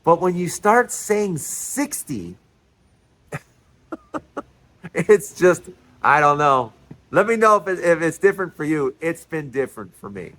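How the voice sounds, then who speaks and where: An older man in his sixties holds forth in a passionate monologue. His voice sits a little high for a man. He stumbles over words and repeats them as he presses his point. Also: sing-song, slow pace, long pauses, a bit bright. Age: 60s. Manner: emphatic, repeats words, restarts often. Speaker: commentary host.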